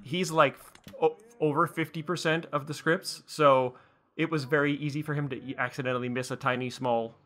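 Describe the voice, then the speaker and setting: A man's voice: fairly high pitch, steady tone, brisk, fairly bright tone. A man giving casual creator's commentary on a web series episode, speaking conversationally. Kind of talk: casual director's commentary chat. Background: background music.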